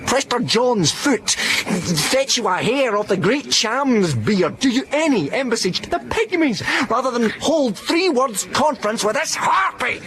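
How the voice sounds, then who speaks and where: An actor playing a witty, mocking young soldier in a Shakespeare radio play, talking in an animated, theatrical way. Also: male voice, very high voice, unhurried, hardly any pauses, full character voice. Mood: exaggerated.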